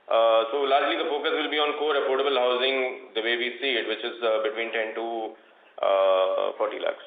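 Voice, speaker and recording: A man with an Indian accent answering questions as a company executive on an earnings call, with halting phrasing. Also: mid-range voice, fairly even intonation, slight background noise. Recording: roomy, muffled conference call line.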